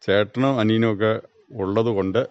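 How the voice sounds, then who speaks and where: A man's voice: lowish voice, steady tone, moderate pace, darkish tone, smooth, no room sound. A man with a Kerala accent, a farmer being interviewed, giving brief, plain, matter-of-fact answers. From Kerala, India. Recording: dull, band-limited dry radio recording.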